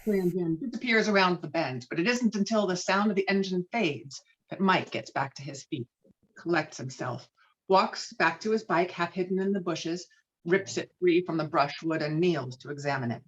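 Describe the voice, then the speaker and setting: A woman's voice: on the low side, normal speed, slightly rough, muffled recording. A woman reading stage directions as narrator in a script table read.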